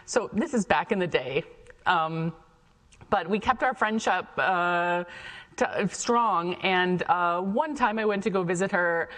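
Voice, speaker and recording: A middle-aged woman with an American accent gives a chatty, informal talk about her own life to an audience. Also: medium pitch. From Ohio, United States. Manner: chatty, conversational. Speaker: guest speaker, chef and cafe founder. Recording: echoey hall, long reverb.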